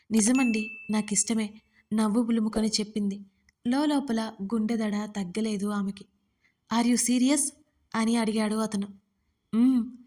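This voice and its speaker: A woman narrating a romantic audio story in a steady, even reading voice. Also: medium pitch. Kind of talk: scripted narration.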